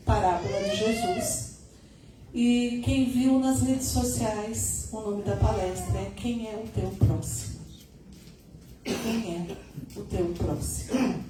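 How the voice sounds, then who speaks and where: A middle-aged woman giving a conversational spiritist lecture, her voice still a little hoarse. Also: medium pitch, far from the mic. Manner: conversational, adds tag questions. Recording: echoey room, recorded from afar, noisy.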